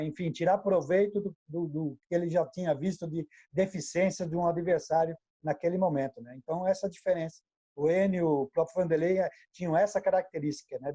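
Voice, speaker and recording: A man's voice: a little high, warm tone, husky, no echo. Give me a middle-aged Brazilian man, hesitant and repeating his words, on a dull, dry line. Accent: Brazilian Portuguese. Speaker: former footballer, guest. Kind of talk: casual interview chat.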